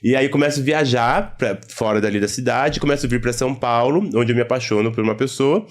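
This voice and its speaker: Male guest, Brazilian accent, rapid-fire casual storytelling, mid-range pitch. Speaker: podcast guest, doctor.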